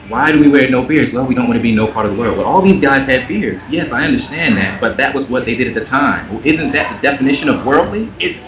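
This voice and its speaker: A man's voice: reverberant, recorded from a distance. Earnest guy talking in an interview, muffled noisy audio. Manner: earnest, animated, rising in pitch when making a point. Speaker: interview guest. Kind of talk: candid conversational interview.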